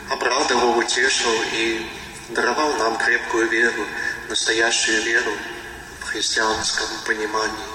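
A man's voice: mid-range voice, bright, forceful tone. Male priest at Mass, solemn liturgical intoning, distant and very reverberant church sound. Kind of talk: liturgical prayer. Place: large church.

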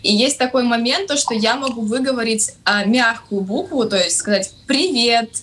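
A woman's voice: a little high, normal speed, fairly bright tone. A young woman talking casually in an interview, with a speech impediment that keeps her from pronouncing a hard R. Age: young adult. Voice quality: cannot roll a hard Russian R. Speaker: TikTok content creator, guest.

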